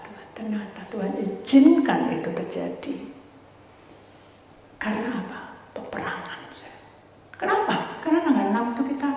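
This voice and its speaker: An older woman pastor giving a sermon and personal testimony, swinging from loud exclamations to hushed near-whispers. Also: medium pitch, a little hiss or hum. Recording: echoey hall from far off.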